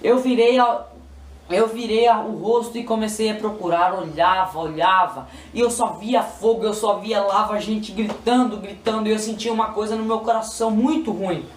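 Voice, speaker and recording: A man's voice: high-pitched, moderate pace. A man with a Brazilian Portuguese accent telling a spiritual testimony in a repetitive, pleading, emotional way. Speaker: person giving a religious testimony. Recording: roomy, distant mic, faint noise.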